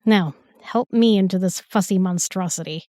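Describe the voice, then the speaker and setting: A woman's voice: mid-range voice, moderate pace, dark tone, no room sound, studio quality, natural voice. A woman playing a sassy, irreverent young modern woman in a fantasy audio drama, wry and chatty. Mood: warm, resigned.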